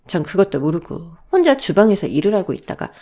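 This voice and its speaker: A woman's voice: lowish voice, very animated, a little fast, mellow. Woman telling an aggrieved first-person story. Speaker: story narrator.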